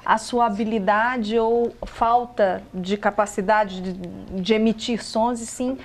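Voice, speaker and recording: Reflective woman guest, a bit high. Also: fairly even intonation, slow pace. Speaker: theater project coordinator. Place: TV studio.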